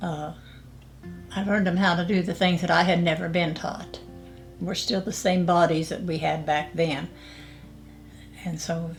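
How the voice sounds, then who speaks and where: A woman speaks at a moderate pace with an American accent, her pitch fairly low. Music plays in the background. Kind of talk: interview answer.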